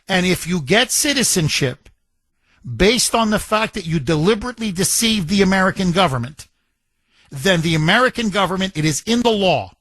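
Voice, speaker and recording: A man with a high, fairly bright voice and lively intonation talks at normal speed on a call-in radio show he hosts. His monologue and calls are combative, emphatic and scornful, and the recording has no room sound.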